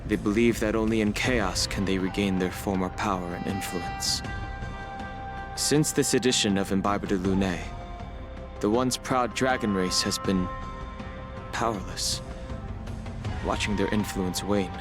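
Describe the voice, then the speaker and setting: Man as a slow, low, stern game advisor. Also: music in the background, natural voice. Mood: grave. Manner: solemn, deliberate. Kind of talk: video game story dialogue.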